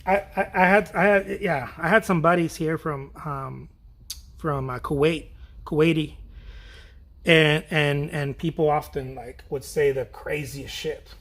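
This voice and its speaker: A man's voice: a little high, fairly even intonation, a little slow, fairly bright tone. A man chatting casually while he paints on a livestream, rambling, repeating his phrases and swearing now and then. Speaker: painter streaming a demo.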